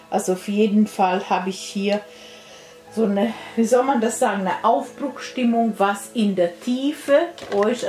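A woman reads cards aloud in an unscripted monologue at a slow, halting pace. Her medium-pitched voice circles back over phrases and often ends on little tag questions. The room adds noticeable echo to her words. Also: a little mellow. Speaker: tarot card reader and spiritual coach. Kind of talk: unscripted card-reading monologue to viewers. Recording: roomy echo with music behind. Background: music.

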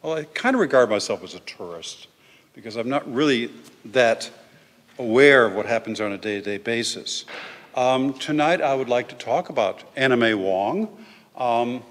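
Older man, professor giving a lecture, lectern mic, middle pitch, chatty with many uhs, long hall reverb. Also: a bit bright. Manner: chatty, with frequent "uh" and "okay". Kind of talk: informal public lecture. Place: large lecture hall with audience. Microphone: lectern microphone.

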